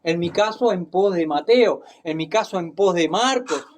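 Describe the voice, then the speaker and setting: A man preaching a sermon, speaking deliberately and checking in with his listeners, then reading scripture with dramatic emphasis. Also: sits high, animated. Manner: deliberate, tag questions, dramatic Bible reading.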